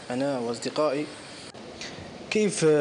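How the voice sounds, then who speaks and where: Noticeable background noise runs under this recording. A man speaks in a fairly high voice with an eastern Libyan accent. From Libya, Benghazi. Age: 20s. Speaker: media student, wounded war veteran. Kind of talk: personal testimony in a news feature; interview answer. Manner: halting, with repetitions. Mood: reflective, calm.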